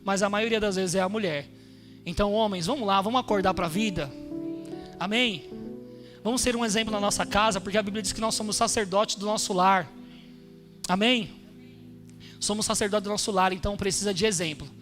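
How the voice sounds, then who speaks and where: A pastor preaching a sermon in a church, emphatic, calling on the congregation with frequent amens. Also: male voice, high voice, fairly quick, pauses often, a bit bright, faint music behind. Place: church hall during a service.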